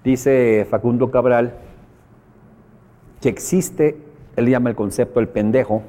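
A man's voice: mid-range voice, fairly even intonation, slow, dark tone. A man with a Mexican accent giving a motivational seminar talk to a group. He speaks colloquially and emphatically, repeats phrases for effect and puts questions to his audience.

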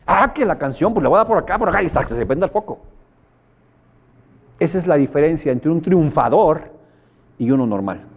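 A man's voice: on the high side, animated, brisk, pauses often. A man with a Mexican accent giving a motivational seminar talk to a group. He speaks colloquially and emphatically, repeats phrases for effect and puts questions to his audience.

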